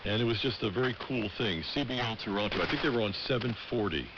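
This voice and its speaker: A man with a very low voice and a practiced radio announcer's control talks casually with other hams. His signal arrives dull and muffled, with clear static hiss underneath. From United States. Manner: measured broadcast-style delivery. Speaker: ham radio operator.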